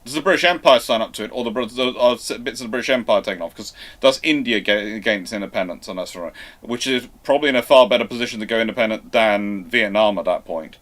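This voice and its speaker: A man's voice: lowish voice, fast, few pauses, fairly bright tone. A man hosting an unscripted history Q&A, talking discursively and often reworking his sentences as he goes. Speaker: host of a live history Q&A show.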